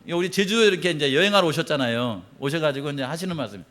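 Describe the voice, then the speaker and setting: A middle-aged man preaching a sermon as pastor, animated, acting out quoted reactions and laughing often. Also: on the high side, very fast.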